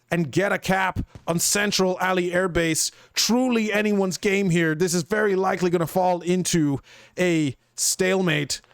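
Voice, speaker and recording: A man doing an excited, put-on British accent as a theatrical play-by-play caster for a tactical shooter match. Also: high-pitched, dry recording, studio quality. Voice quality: hammy, theatrical hype delivery. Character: excitable male British-style game caster. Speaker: gameplay commentator.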